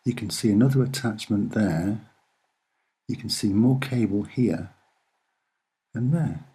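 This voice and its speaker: A soft-spoken man giving unscripted commentary on images in short, deliberate, hesitant phrases. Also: fairly low pitch, slightly rough. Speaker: amateur presenter explaining photographs.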